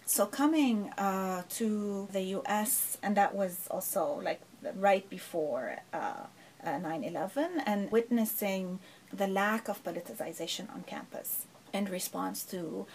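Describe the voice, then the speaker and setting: A woman's voice: mid-range voice, unhurried, a little mellow, slight background noise, poor audio. A middle-aged woman professor from Lebanon, answering interview questions thoughtfully with frequent fillers and rhetorical asides. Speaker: professor, guest.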